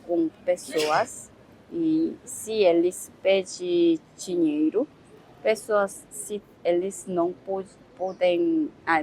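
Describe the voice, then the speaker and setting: A woman from South Korea with a Korean accent, answering interview questions in halting second-language speech, pausing often to search for words. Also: on the low side, a little mellow, a little hiss or hum, poor audio.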